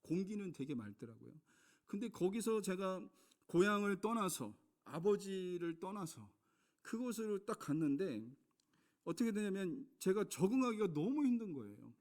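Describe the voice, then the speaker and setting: A middle-aged man from South Korea, a pastor preaching a sermon, swinging between loud emphatic lines and hushed storytelling and asking the congregation questions. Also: high-pitched. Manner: addresses the congregation with rhetorical questions.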